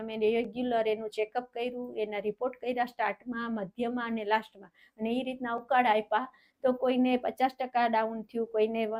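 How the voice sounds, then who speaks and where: Her intonation stays monotone and flat. The woman's voice is fairly high. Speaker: yoga coordinator. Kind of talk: interview. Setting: studio.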